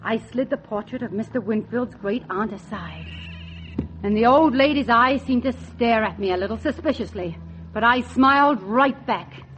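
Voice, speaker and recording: An actress playing a scheming, coolly determined secretary turned jewel thief in 1940s radio crime drama style. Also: female voice, on the high side, moderate pace, fairly bright tone, soft background music, close to an everyday voice. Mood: tense, triumphant. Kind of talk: 1940s radio acting, first-person crime narration. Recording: dull vintage 1940s radio recording.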